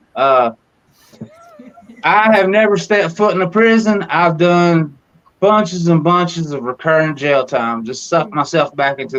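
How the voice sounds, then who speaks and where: Speech at a moderate pace comes in a strong Appalachian accent with lively intonation. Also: man. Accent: thick Appalachian hillbilly. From West Virginia (Appalachia). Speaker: former inmate, prison channel creator. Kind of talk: casual chat.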